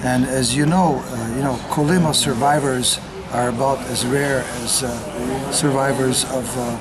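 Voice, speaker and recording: An older man who grew up in the United States, a retired sociologist giving an unscripted personal account, often pausing on fillers as he speaks. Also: medium pitch, steady tone, over a noisy crowd. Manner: halting, with frequent filler pauses. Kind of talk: unscripted spoken testimony.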